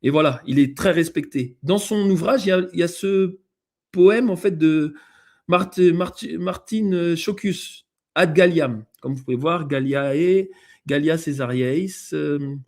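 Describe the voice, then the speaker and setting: An unhurried man with a somewhat high, slightly mellow voice presents as a guest on a show, in French with a non-native-sounding accent. Walking through slides and reading passages aloud, he frequently uses fillers and restarts his sentences.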